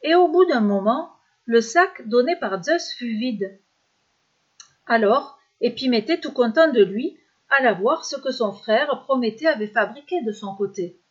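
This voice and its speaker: A woman storyteller reading a serialized children's story in an expressive, measured way. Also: on the high side, slightly rough. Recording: dull lo-fi sound.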